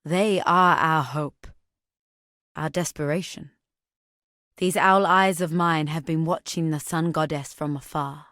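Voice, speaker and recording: Solemn tribal woman, video game ally, lowish pitch, poetic and measured, earnest, close dry recording. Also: steady tone, fairly bright tone, no echo. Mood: grave, hopeful. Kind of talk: scripted video game character dialogue.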